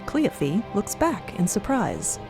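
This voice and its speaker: A man's voice: high voice, wildly swooping pitch, slow, creaky, over music. A man delivering scripted audio drama narration as one of the storytellers.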